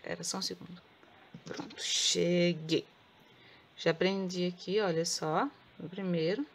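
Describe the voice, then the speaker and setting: Soft-spoken Brazilian woman counting stitches. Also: on the low side, fairly even intonation, moderate pace, a little hiss or hum. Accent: Brazilian Portuguese. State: sore throat, cannot speak loudly. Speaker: crochet teacher. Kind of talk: step-by-step craft tutorial.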